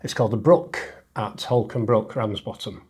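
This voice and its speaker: A man's voice: fairly low pitch, moderate pace, a little mellow, slightly rough. A middle-aged man with a northern English accent, speaking casually as an interview guest in a self-deprecating way. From northern England. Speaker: interview guest, poet and comedian. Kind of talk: casual interview chat with poetry recital.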